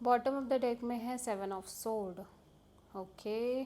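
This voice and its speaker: Her tone dark and mellow, a woman with a high pitch keeps to fairly even intonation. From Uttar Pradesh, India. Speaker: professional tarot card reader. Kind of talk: tarot reading to camera.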